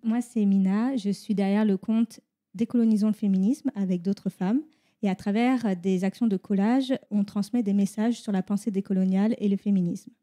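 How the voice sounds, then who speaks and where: A woman's voice: medium pitch, fairly even intonation, moderate pace, dark tone. A woman activist guest speaking earnestly and articulately, with some stammering. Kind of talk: interview answers.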